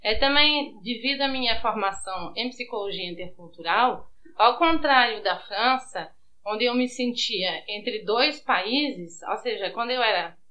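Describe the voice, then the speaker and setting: A woman's voice: on the high side, animated, a little slow, pushed and bright, dull audio. A woman from France with a Brazilian Portuguese accent, talking in an explanatory, informal way as an interview guest. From France, grew up on the outskirts of Paris. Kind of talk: informal interview, telling life story.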